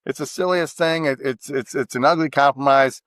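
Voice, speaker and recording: A man's voice: medium pitch, normal speed, smooth, dry recording, clean studio sound. An American man telling stories with emphasis in a casual podcast conversation. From United States. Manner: emphatic, animated storytelling.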